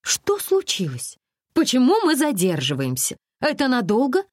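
Shrill bossy 30ish woman, swoopy and whiny, a lady reading puts her on. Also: huge pitch swings, normal speed, dry recording, studio quality, heavily acted. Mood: anxious. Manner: shrill, petulant, exclaiming. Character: flighty demanding woman of thirty, Alice.

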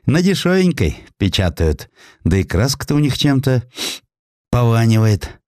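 A man's voice: mid-range voice, big pitch swings, normal speed, a little mellow, no room sound, clean studio sound, voice pushed up, natural voice. A man voicing a smirking, haughty chief of tsarist gendarmes in an audiobook, with a sneering, imperious manner. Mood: smirking scorn.

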